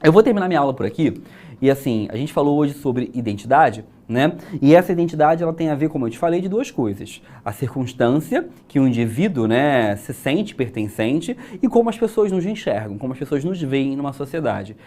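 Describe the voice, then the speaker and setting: A man's voice: mid-range voice, sing-song, fairly quick, warm tone. A young Brazilian man teaching an exam-prep class, chatty and explanatory, asking rhetorical questions. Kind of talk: recorded exam-prep lesson.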